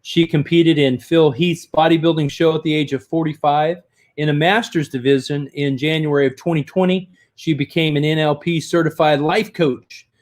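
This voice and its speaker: A man's voice: fairly high pitch, fairly even intonation, normal speed. A man hosting an author interview, reading an upbeat guest introduction and asking questions. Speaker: interview host.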